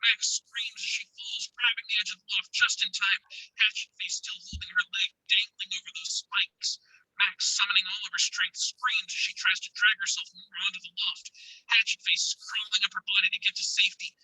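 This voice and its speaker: Husky, high-pitched man narrating dramatic action. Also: fairly even intonation, brisk, pushed and bright, dry recording, low-quality recording. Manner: intense, suspenseful reading. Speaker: stage directions narrator.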